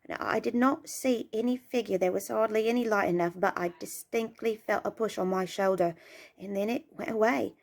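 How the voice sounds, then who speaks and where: A woman playing a shaken young servant, giving a hurried witness account in a dramatic reading. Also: mid-range voice, creaky, natural voice. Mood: uneasy, insistent.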